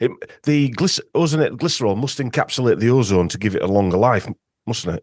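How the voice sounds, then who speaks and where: A man with a Yorkshire accent at a medium pitch, very fast pace, and lively intonation, against a quiet background. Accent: Yorkshire northern. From Yorkshire, northern England. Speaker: podcast host and supplement seller. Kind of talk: interview conversation. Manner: halting.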